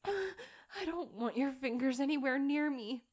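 Brief: a woman voicing a proper young lady in an audio roleplay, high voice, formal old-fashioned phrasing, breathy whispered pleas. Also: lively intonation, a little slow, a little mellow. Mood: desperate pleading.

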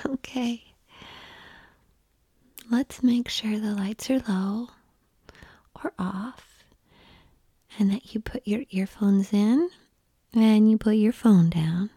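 A woman whispering softly and calmly in an ASMR roleplay, coaxing the listener through slow breathing, close to the microphone. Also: on the high side, breathy edge, dry recording. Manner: soft unvoiced whispering; calm, coaxing breathing guidance.

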